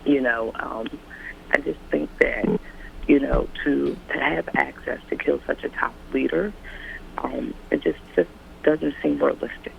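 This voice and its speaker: A man calling in to a radio talk show, rambling and hesitant with many pauses. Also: mid-range voice, creaky, a little hiss or hum. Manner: rambling, hesitant, full of ums. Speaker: caller. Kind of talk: phone-in call. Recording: dull lo-fi phone line.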